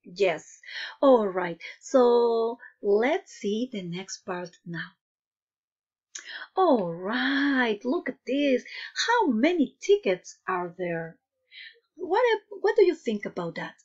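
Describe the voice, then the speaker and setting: A woman's voice: on the high side, sing-song, takes it slowly, darkish tone, slightly rough, lo-fi sound. A woman teaching young children in the manner of a kids show host, encouraging and prompting them with questions and short checking tags. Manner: kids show host style, encouraging, addressing viewers directly; frequent questioning tags like "no?" and "okay?". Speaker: primary school English teacher. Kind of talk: children's online lesson, prompting pupils with questions.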